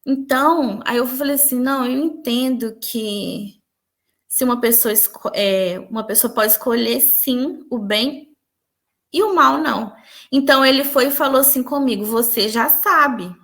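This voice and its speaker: A young woman earnestly recounting a personal spiritual experience in an interview, often dropping to quiet tones. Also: sits high, normal speed. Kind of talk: emotional personal testimony.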